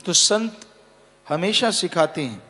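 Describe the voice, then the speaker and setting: A high-pitched man delivers a devotional sermon with an earnest, admonishing cadence, stacking short warnings one after another. His voice rings out in a hall with a long reverb. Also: expressive, slow, pushed and bright. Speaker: spiritual preacher.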